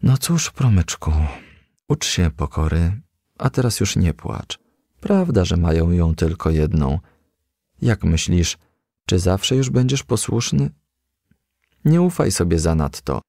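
A man reads as a motherly storybook woman who counsels frankly and kindly. The voice swings widely in pitch, with a creaky edge, as it coaxes and gently scolds. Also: very animated, slow pace, long pauses, no echo, clean studio sound, full character voice. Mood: consoling, admonishing. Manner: gently admonishing, coaxing. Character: kind, frank, motherly female advisor to a young firefly.

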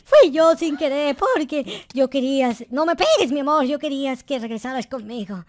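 A man's voice: extremely high pitch, expressive, normal speed. A man with a Latin American accent playing a whiny, clumsy noob boyfriend in a melodramatic, stammering Minecraft roleplay. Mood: apologetic, pleading. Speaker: gaming YouTuber.

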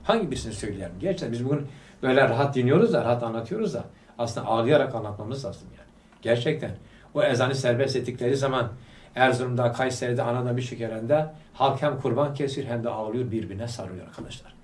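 In a religious school's study hall, a man gives a fervent study talk to a gathering, firing off rhetorical questions and prompting listeners to answer aloud. His mid-range voice moves at a quick pace. The mic is far off, catching him in an echoey room.

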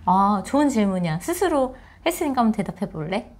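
A woman's voice: medium pitch, big pitch swings, a little fast, a little mellow. A woman in her forties speaking casually as an interviewer in a conversational style, recorded on a lapel mic indoors. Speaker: interviewer, mother.

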